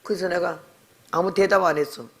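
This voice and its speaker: A woman's voice: lowish voice, steady tone, a little fast. An older woman missionary preaching a sermon, telling a story in a blunt, scolding way. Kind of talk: sermon with testimony.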